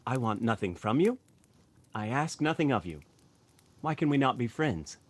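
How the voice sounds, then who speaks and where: An actor playing a cheerful, earnest, warm-hearted nephew in a radio play, speaking with theatrical exclamation. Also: male voice, mid-range voice, very animated, normal speed, dry recording. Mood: earnest pleading.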